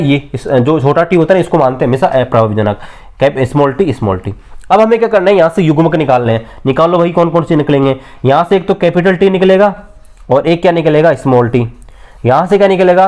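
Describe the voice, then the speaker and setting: A man's voice: fairly high pitch, darkish tone. A man teaching an exam-prep biology lesson at a board, quizzing students and answering his own questions, stretching key terms word by word.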